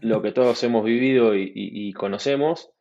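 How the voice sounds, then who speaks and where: A somewhat fast man with a lowish voice, an Argentine startup manager, is a guest in a conversational interview. He speaks relaxed, fluent Argentine Spanish marked by plenty of fillers and restarts, and the audio is dull.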